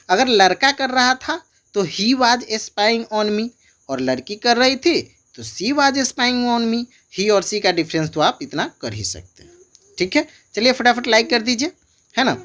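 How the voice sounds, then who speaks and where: A man's voice: sits high, a bit bright. Man teaching in a chatty, coaxing tone. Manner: repeats example phrases slowly and keeps urging viewers to comment. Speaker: English tutor. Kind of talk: casual online teaching.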